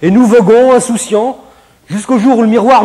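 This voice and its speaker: Over a quiet background, a man speaks at a moderate pace. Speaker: stand-up comedian. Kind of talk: comic stage monologue. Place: stage. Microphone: lapel.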